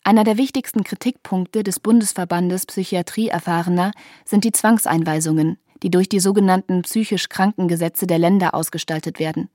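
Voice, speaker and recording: A woman reading scripted documentary narration in an even, informative way. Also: lowish voice, fairly quick, no echo, studio quality.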